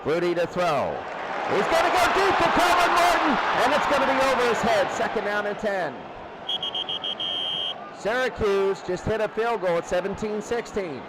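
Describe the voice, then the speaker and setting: A man's voice: sits high, expressive, moderate pace. A man calling football play by play on the radio in short running calls, repeating downs and scores. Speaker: play-by-play sports announcer. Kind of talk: live American football radio commentary. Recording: loud crowd noise behind commentary. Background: noisy sports crowd.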